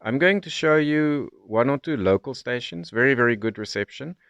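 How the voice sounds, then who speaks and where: A South African man giving an unscripted, explanatory product review and demonstration in a measured way. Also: medium pitch, fairly bright tone, dry recording, muffled recording. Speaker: radio reviewer.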